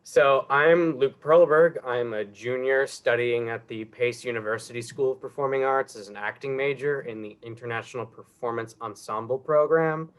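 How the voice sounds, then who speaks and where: A man's voice: medium pitch, moderate pace, few pauses. A young man, an acting student, talking at length about his classes and projects on a video call panel. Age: young adult. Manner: chatty, explains at length. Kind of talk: casual panel talk. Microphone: video call mic.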